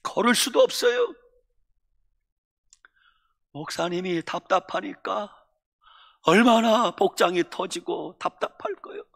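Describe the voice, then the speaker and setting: 극적으로 설교하는 남자 목사. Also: male voice, high-pitched, lively intonation, slow, creaky, long pauses. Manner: dramatic, swings from shouting to near whispering. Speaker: pastor. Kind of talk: sermon. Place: church sanctuary. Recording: echoey church hall.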